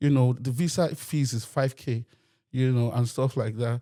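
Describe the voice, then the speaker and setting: With a Nigerian accent and a dark, mellow tone, a man talks at a fairly slow pace. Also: very clean recording, silent background. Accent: Nigerian accent, unchanged. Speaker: entrepreneur and community founder. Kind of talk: podcast interview. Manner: animated.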